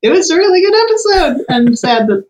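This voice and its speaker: A woman's voice: sits high, sing-song, brisk, darkish tone, poor audio. A woman co-hosting a podcast in casual, conversational chat. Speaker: podcast co-host.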